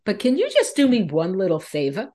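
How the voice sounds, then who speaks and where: A woman from New York hosting a podcast, asking questions in a warm, encouraging and enthusiastic way. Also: medium pitch, huge pitch swings, fairly quick. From New York, USA. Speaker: podcast host. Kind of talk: casual interview conversation.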